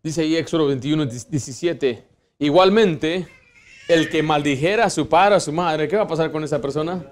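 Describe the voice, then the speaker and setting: A man's voice: on the high side, normal speed. A man, a pastor preaching a sermon in church and putting earnest rhetorical questions to his congregation. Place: church sanctuary.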